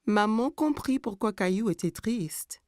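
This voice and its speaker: A woman reading scripted narration for a children's cartoon in a clearly phrased storytelling manner. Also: mid-range voice, lively intonation, a little slow, a little mellow, dry recording, clean studio sound. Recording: music behind the voice. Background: background music.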